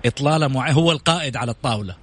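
A man's voice: mid-range voice, racing, a bit bright, husky. A man with a Saudi Arabic accent hosting a radio interview, effusive and flowery, stretching words for effect. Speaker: radio show host.

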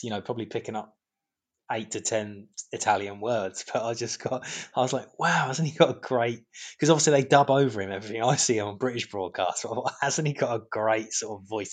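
A man co-hosting a casual football podcast, often stumbling and restarting as he talks. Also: mid-range voice. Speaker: podcast co-host.

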